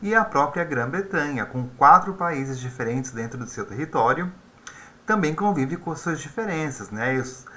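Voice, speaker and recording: Man, video lesson, bright forceful voice, chatty with tag questions. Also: on the high side, expressive, moderate pace. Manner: conversational, with frequent tag questions. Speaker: English teacher. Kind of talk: video lesson explaining vocabulary.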